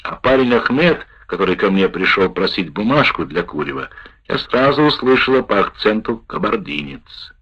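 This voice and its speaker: Husky low-voiced male audiobook narrator. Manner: measured, expressive first-person reading. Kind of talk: audiobook narration of a wartime memoir. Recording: dull lo-fi recording.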